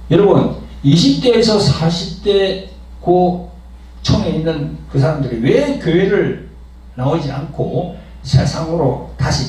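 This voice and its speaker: A pastor delivers an emphatic sermon, throwing out rhetorical questions to his listeners. His voice is high and swings widely in pitch. It rings through a very echoey hall, heard from some distance off the mic. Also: darkish tone.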